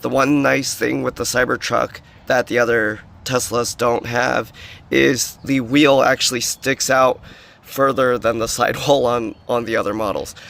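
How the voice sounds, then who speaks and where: The man's voice has vocal fry and a medium pitch. He speaks at a fairly slow pace with monotone, flat intonation. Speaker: product reviewer. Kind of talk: tutorial. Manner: casual.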